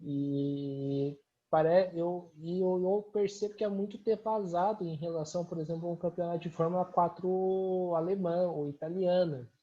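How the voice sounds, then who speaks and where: A man's voice: high-pitched, fairly even intonation, normal speed, highs cut off. A male podcast host asking long, hesitant interview questions full of restarts.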